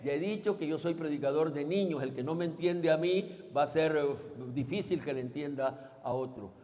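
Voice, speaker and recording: A man's voice: fairly high pitch, moderate pace, dark tone. A male pastor preaching a sermon, asking the congregation to repeat after him and throwing out questions. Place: church sanctuary. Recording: long church reverb.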